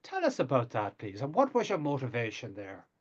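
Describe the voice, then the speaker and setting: A man's voice: mid-range voice, huge pitch swings, a little fast, lo-fi sound. A man interviewing a guest, polite and friendly, with some stammered restarts. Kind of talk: interview questions.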